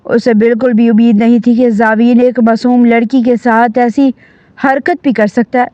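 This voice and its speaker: A woman reading a romance novel aloud as a narrator, in an even, dramatic storytelling manner. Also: fairly high pitch, dry recording, lo-fi sound.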